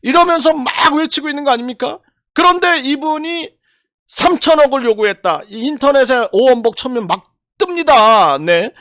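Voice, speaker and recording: An older man with a strikingly high voice rails with indignation, firing off rhetorical questions and hammering repeated phrases. He is recorded close up with a dry, roomless sound. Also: lively intonation, moderate pace, bright, forceful tone, dry recording. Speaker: YouTube commentator. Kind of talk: impassioned political commentary.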